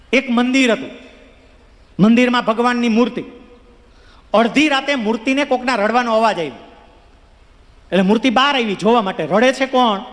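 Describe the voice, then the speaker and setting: A man's voice: very high voice, a bit bright. A man giving a motivational speech to students in a hall, emphatic and repeating his key phrases to the audience. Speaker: motivational speaker. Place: large hall with live audience. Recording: long hall reverb.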